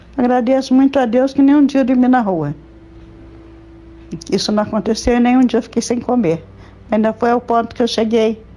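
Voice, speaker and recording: A woman speaks at a moderate pace in a high voice with ordinary pitch variation. She leaves long, frequent pauses, and noticeable background noise can be heard. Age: 60s. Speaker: former church worker giving testimony. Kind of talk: testimony. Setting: recorded voice message.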